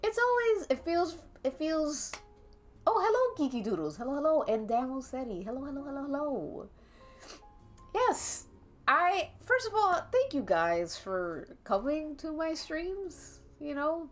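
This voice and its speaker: Faint calming jazz plays as a young art streamer with a blocked, stuffy nose draws and chats loosely with her viewers, laughing a lot along the way. Her voice is high and a little slow.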